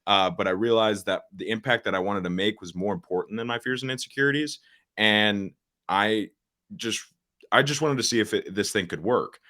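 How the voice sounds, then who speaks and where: A man's voice: normal speed, sharp tone. A man in his late teens, a social media coach, speaking as a podcast guest in a straightforward way, with many fillers and restarts. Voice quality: deep voice. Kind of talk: casual podcast interview.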